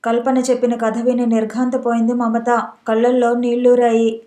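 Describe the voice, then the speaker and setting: A woman narrates an audiobook story in a measured, even reading. Her fairly high voice is mellow and keeps a flat melody. A roomy echo hangs around the recording.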